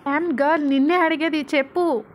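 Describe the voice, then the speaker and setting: A stern, commanding husband and father, voiced by a woman narrator. He lectures firmly and gives orders in a storybook reading. The voice stays fairly high. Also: steady tone, brisk, natural voice. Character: grown man Manu, stern contract husband and father.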